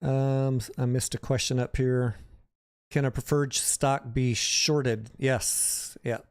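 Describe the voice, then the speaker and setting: A man's voice: mid-range voice, steady tone, slow, clear, resonant tone. A man hosting a livestream, talking casually about the stock market and answering viewers by name in a conversational way.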